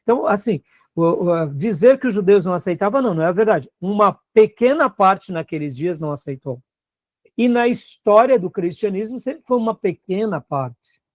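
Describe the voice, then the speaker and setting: A man's voice: high-pitched, animated, moderate pace, no room sound, studio quality. A man with a Brazilian Portuguese accent, a pastor teaching a seminary class in a conversational way and often checking in with his students. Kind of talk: classroom Bible lecture.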